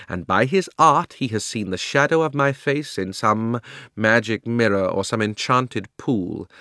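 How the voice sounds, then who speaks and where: A cold, imperious witch queen , as a male narrator puts her on, drawn out slow and commanding. The storybook voice rises and falls with lively pitch, recorded close and dry. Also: no room sound. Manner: slow, commanding, haughty delivery. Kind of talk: audiobook character voice.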